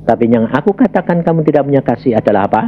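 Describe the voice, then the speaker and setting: A man voicing God in his testimony, firm and calm as he corrects the speaker. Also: mid-range voice, very fast, lo-fi sound, slight background noise, close to an everyday voice.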